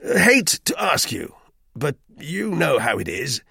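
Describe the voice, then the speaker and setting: Raised, lively-pitched bluff major, gravelly and husky, put on by a male reader. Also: takes it slowly, no room sound, studio quality, full character voice. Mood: embarrassed. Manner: blustering, hearty, awkward with forced cheer. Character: embarrassed bluff English army major, middle-aged. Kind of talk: audiobook character voice.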